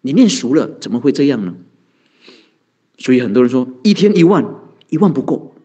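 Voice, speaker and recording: A man's voice: mid-range voice, sing-song, fairly quick, mellow, husky, dull audio. A man, a Buddhist monk giving a conversational dharma talk, asking rhetorical questions and answering them, chuckling often. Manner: chuckles often, heavy use of sentence-end particles.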